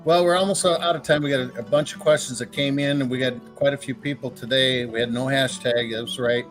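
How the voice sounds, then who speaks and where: A man at an average pitch hosts a live RV question-and-answer show in a loose, folksy way. He strings his answers together with fillers and likes to slip in a joke, and soft guitar music plays behind him. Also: fairly even intonation, fast. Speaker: host. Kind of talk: casual live Q&A chat.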